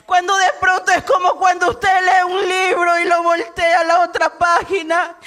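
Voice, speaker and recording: A woman giving a fervent Christian testimony in a preaching style, shouting much of it and calling her listeners brother. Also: very high-pitched, completely flat delivery, moderate pace.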